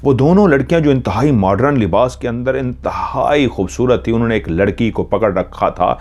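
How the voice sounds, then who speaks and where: A man narrating a first-person horror story in a measured, dramatic way, dropping into hushed tones at tense moments. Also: mid-range voice, lively intonation. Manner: measured, hushing to near whispers in tense moments.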